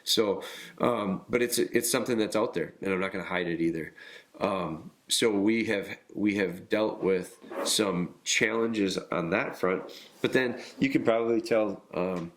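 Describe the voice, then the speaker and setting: A man hosting a podcast with a nasal, congested voice, talking casually and haltingly with frequent pauses and restarts. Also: on the low side, slight background noise. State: congested from illness. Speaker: podcast host.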